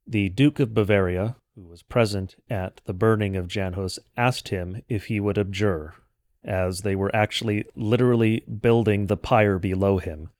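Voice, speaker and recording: A man delivering an explanatory history lecture in a measured, didactic way with formal phrasing. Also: fairly low pitch, fairly even intonation, a little mellow, no room sound. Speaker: host of a church history podcast. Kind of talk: explanatory lecture, semi-scripted narration.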